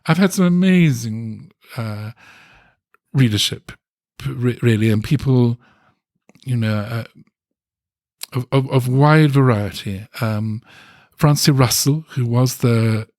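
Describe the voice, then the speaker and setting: A man in a relaxed podcast conversation who tells stories with real enthusiasm. He thinks aloud and often stops to restart a sentence. His voice sits at a middle pitch and is recorded close and dry. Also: slow, no echo. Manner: thoughtful, animated storytelling with hesitant restarts. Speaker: guest, dance critic.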